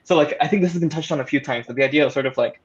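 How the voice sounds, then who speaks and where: A man's voice: a little high, rapid-fire, dull audio. A man speaking as a panelist in a casual discussion, articulate and wordy, with emphatic phrasing. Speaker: audio drama producer on a panel.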